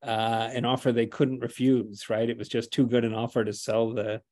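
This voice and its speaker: A man's voice: medium pitch, level tone, moderate pace, darkish tone. An older man interviewing a guest over a video call, chatty, asking long rambling questions and often affirming.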